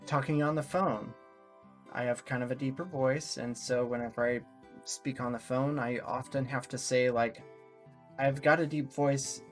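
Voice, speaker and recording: A woman chatting casually and personally as a co-host, in a halting, reflective way with frequent pauses. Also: extremely low pitch. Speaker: co-host answering audience questions.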